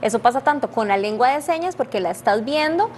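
A young woman with a Costa Rican accent, a sign language interpreter, explaining things clearly as a guest in a studio interview. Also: fairly high pitch, lively intonation, a little fast, darkish tone, a little hiss or hum. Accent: Costa Rican Spanish. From Costa Rica. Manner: clear, explanatory, laughs easily. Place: dark studio set with armchairs. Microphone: lapel mic.

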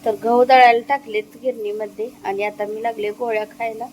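Chatty higher-voiced woman vlogging at home. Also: little pitch movement, moderate pace, darkish tone, slight background noise. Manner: chatty, explaining chores as she goes, with many little fillers. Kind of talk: casual vlog narration. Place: at home, in her kitchen and yard.

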